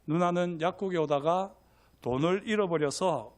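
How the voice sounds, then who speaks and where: A man voicing a calm, clever little boy who speaks in Gyeongsang dialect, in a sermon story. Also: sits high, moderate pace, natural voice. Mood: urging.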